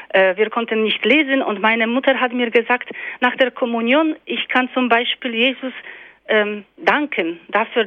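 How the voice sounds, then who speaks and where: A woman with a Polish accent recounts her life story as a nun, speaking carefully in German and pausing often with small fillers. Her voice comes through a thin, phone-like line that sounds completely dry. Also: mid-range voice, dry recording. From Poland. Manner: thoughtful, many hesitations and fillers. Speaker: guest, missionary nun. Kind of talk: personal testimony interview.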